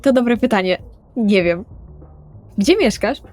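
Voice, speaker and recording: A woman's voice: mid-range voice, animated, slow, darkish tone, faint music behind. A woman voicing a blunt, bossy supernatural female character in a tabletop game, curt and dry. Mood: probing.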